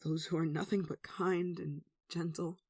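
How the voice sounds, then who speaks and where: A performer with a mid-pitched voice playing an anxious, devout, caring villager in an earnest, hesitant ASMR roleplay. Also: level tone, normal speed, husky, no room sound, clean studio sound. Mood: sorrowful. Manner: earnest, hesitant, soft sighing delivery. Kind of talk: ASMR roleplay audio drama.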